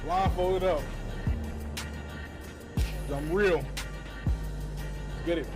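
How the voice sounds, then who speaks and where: A man's voice: high-pitched, steady tone, slow. A man in casual, joking video clips. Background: music.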